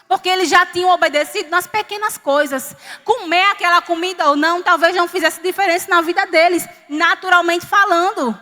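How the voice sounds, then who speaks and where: A woman from Northeastern Brazil preaching a sermon, telling a personal story with lively quoted dialogue. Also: very high-pitched, fairly quick. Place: church hall. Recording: reverberant church hall.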